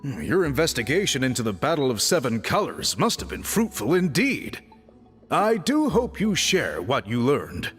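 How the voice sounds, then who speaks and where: A man voicing a composed, courteous tribal leader in a video game, speaking in a measured, formal, expressive manner. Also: medium pitch. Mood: thoughtful, approving. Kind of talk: video game character acting. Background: music.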